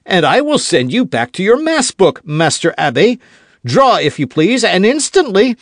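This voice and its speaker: A man voicing a hot-headed young Gascon swordsman who talks high and loud, full of pride and quick to take offence. His lines leap up and swoop back down, eager and challenging, read close to a dry mic in an audiobook. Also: big pitch swings, no echo. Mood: indignant, fiery. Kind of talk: audiobook character voice.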